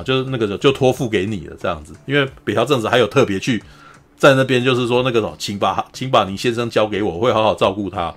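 A man's voice: mid-range voice, a bit bright. Chatty man recapping a drama. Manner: chatty, keeps asking "you know?", acts out quotes in a raised voice, laughs often. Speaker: podcast host. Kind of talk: casual storytelling recap of a TV drama.

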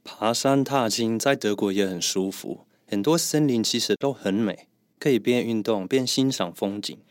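A man co-hosting a podcast as a German teacher, calmly and methodically explaining pronunciation. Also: fairly low pitch, normal speed, no echo, clean studio sound. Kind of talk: podcast language lesson.

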